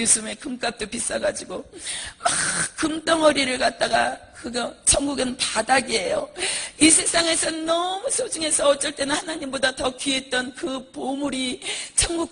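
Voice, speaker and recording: A woman's voice: high voice, fairly bright tone, breathy edge. A woman minister giving an earnest, vivid personal testimony, reliving her pleading prayers as she tells the story.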